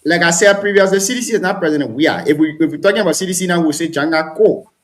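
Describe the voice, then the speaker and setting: Animated man debating politics. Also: fairly high pitch, fast talker. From Liberia. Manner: animated, argumentative, repeats words when starting a point. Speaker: panelist. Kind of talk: political talk show debate.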